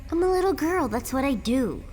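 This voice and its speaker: A woman's voice: high voice, animated, fairly quick, darkish tone. A woman voicing a cheeky, taunting young girl in a cartoon.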